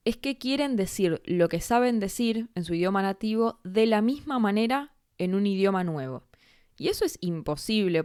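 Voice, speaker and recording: A woman's voice: fairly low pitch, darkish tone, clean tone, no room sound, studio quality. A woman with a Rioplatense Spanish accent, a Spanish teacher hosting her own podcast and talking through ideas in a thoughtful, conversational way. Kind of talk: solo educational podcast monologue.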